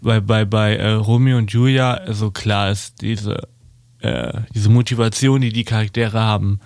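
A man's voice: lowish voice, steady tone, a little slow, gravelly, a little mellow, no room sound. A man co-hosting a casual radio talk show, hesitant and full of fillers, using loose slang. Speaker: radio co-host. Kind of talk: casual radio chat about literature.

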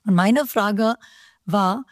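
A middle-aged woman whose first language is Hindi speaks as an academic guest, explaining ideas thoughtfully and stopping on fillers as she thinks. Her voice sits at a middle pitch and sounds close and dry, with little room in it. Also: extremely slow, no room sound. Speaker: guest, political theory professor. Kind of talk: academic interview answer.

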